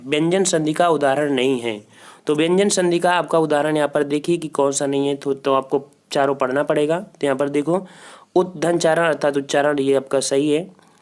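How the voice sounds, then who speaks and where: Exam coach, male, fairly high voice, repeats key answers, talks straight to the class. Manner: repeats answers, frequent "ठीक है" fillers, talks to students directly. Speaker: exam prep teacher. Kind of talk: Hindi grammar quiz walkthrough.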